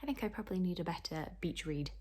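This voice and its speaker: A woman's voice: lowish voice, animated, fast, a little mellow. A young woman chatting casually to camera as a book vlogger, in a rambling, self-deprecating way.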